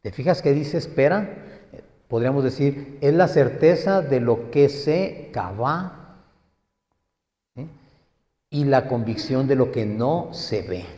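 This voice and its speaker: A man preaching a sermon, teaching slowly and emphatically and putting questions to his listeners. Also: medium pitch, animated, mellow. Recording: echoey hall, dull lo-fi sound.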